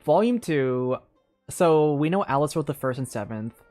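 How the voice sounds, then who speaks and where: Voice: medium pitch, lively intonation, moderate pace, warm tone. A streamer with a mid-range voice reads a game story aloud over music. The delivery is informal, mixing storybook narration with chatty asides and the odd repeated word. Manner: informal, self-commenting, stumbles and repeats words while reading. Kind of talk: casual livestream chat mixed with read-aloud storytelling.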